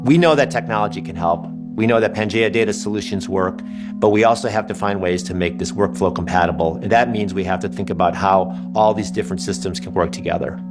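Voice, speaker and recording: A man with a fairly low voice gives a measured corporate testimonial in formal phrasing. Guitar music plays clearly behind him.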